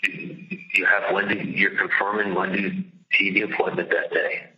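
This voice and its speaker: A man's voice: sits low, flat delivery, moderate pace. A man venting casually and profanely on a phone call, agitated and emphatic, often repeating himself. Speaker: jailed caller on a recorded phone call. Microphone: telephone. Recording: dull lo-fi recorded jail phone call.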